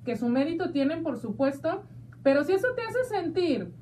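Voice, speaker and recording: A woman with a Mexican accent hosting a talk show, chatty and playful, speaking warmly to her listeners. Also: high voice, big pitch swings, moderate pace, recorded from a distance, slight background noise. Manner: chatty and playful, calls listeners "hija de mi vida". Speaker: radio show host. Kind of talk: casual talk show chat.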